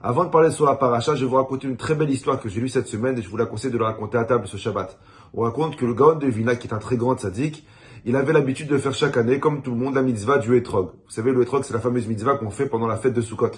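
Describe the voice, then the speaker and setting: A rabbi speaking at a middle, unremarkable pitch. He tells a story in a lively way, then turns to earnest encouragement of his listeners. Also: racing. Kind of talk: weekly Torah talk.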